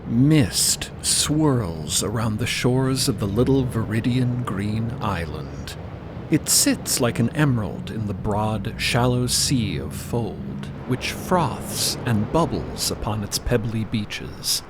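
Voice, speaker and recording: A man's voice: fairly low pitch, animated, slow, noisy background. A man reading scripted narration for an audio drama as its narrator.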